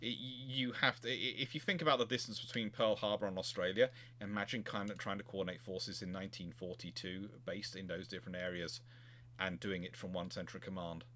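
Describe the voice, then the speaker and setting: A man's voice: low voice, steady tone, fairly quick, pushed and bright. A man hosting a casual history discussion, repeating and rephrasing himself as he explains. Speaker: host answering viewer questions.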